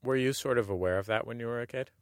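A man's voice: medium pitch, quick pace, dry recording, studio quality. A male interviewer asking curious, casual questions.

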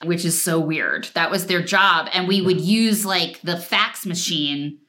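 A woman guest with a rough, distinctive voice, telling animated stories and laughing in a casual interview. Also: on the low side, measured pace.

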